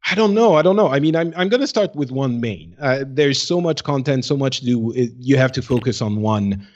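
A man's voice: medium pitch, lively intonation, brisk, darkish tone. Man, podcast co-host, casual gamer chat, hesitant delivery, muffled lo-fi sound. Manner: hesitant, thinking aloud.

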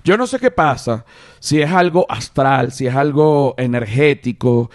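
A young man with a Venezuelan accent hosting a casual podcast, rambling and animated, with many restarts. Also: medium pitch, unhurried. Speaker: podcast host.

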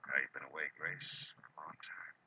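An actor playing a hard-boiled, world-weary private eye who can turn tender, brooding and clipped in 1940s radio noir style. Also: male voice, a bass voice, steady tone, fairly quick, sharp tone, heavily acted. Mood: gentle, hushed. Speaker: lead actor and narrator of detective series. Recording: muffled, very noisy old radio recording.

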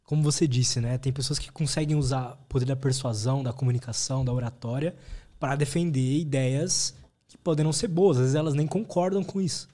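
A man's voice: medium pitch, fairly quick, warm tone. A man talking in a casual podcast chat, thoughtful and reflective.

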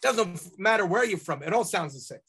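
Halting high-voiced man in his forties. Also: expressive, a bit bright, breathy edge. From Canada. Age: 40s. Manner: rambling, halting, swears casually. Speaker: guest musician. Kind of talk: casual interview chat.

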